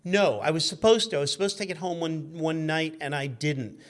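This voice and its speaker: A man's voice: a little high, a little fast. A man in his fifties chatting casually as a guest, telling rambling stories and acting out the exchanges he quotes. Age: 50s. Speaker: guest, car magazine editor. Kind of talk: animated anecdotal storytelling, casual chat.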